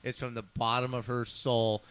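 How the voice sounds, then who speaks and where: A man's voice: mid-range voice, level tone, normal speed, a bit bright, slight background noise. A man hosting a casual interview, affirming his guest often and stammering with repeated words. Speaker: interview host.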